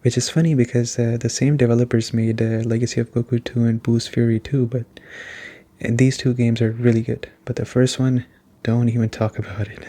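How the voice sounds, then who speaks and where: A man giving a soft-spoken, casual ASMR-style video game review in a conversational way. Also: mid-range voice, flat delivery, brisk.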